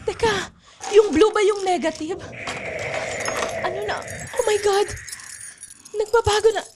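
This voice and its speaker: A woman playing an excitable, easily exasperated daughter in an improvised comedy radio drama, exclaiming dramatically. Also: extremely high pitch, measured pace, noisy background. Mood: alarmed. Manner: dramatic exclaiming, mixes in English.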